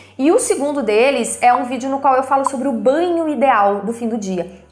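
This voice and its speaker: Fairly quick, animated speech with audible room echo. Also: woman. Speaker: parenting content creator. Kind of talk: tutorial. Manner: fast.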